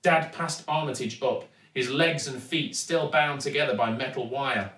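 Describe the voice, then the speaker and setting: A British man reading a children's story aloud in a dramatic, deliberate way. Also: medium pitch, fairly bright tone. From United Kingdom. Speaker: actor reading a children's book. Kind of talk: expressive storybook narration. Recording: echoey room, distant mic.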